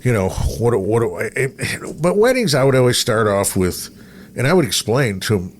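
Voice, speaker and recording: A man's voice: mid-range voice, big pitch swings, normal speed. A middle-aged man chatting casually and telling anecdotes, acting out bits of remembered dialogue. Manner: storytelling, acts out quoted remarks. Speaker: radio personality, podcast guest. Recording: noticeable background noise.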